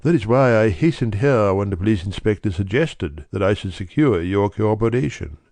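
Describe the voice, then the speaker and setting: A man's voice: on the low side, lively intonation, moderate pace, darkish tone, dry recording. A man voicing a distraught, dignified middle-aged banker pleading his case earnestly. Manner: agitated, earnest, breathless pleading.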